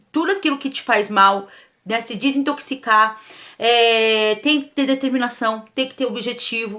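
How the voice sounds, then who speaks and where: A woman talks at a fairly slow pace in an ordinary speaking voice. Her pitch is fairly high, with ordinary pitch variation. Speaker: vlogger, mother of two. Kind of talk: casual vlog talk to camera.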